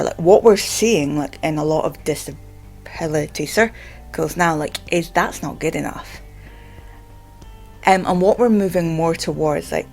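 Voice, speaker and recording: Scottish female vlogger, low voice, stammers, halting informal delivery padded with fillers, music underneath. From Scotland. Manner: halting, with frequent repeated filler words. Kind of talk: informal explainer to camera.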